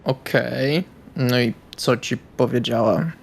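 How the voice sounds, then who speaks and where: A man's voice: medium pitch, slow, gravelly. A man playing a tabletop role-playing game, casually speaking in character and describing his actions. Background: music.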